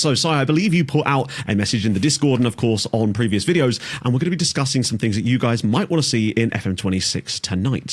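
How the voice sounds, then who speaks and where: A man hosting a podcast in casual chat, playful and wordy, with jokey asides. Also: medium pitch. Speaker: podcast co-host.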